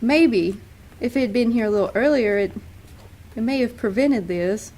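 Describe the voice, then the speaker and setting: A woman's voice: fairly high pitch, moderate pace, dark tone, lightly acted. A woman playing a polite, secretly scheming visitor in an amateur radio-style mystery. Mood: hesitant. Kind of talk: amateur radio-play acting. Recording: faint background noise.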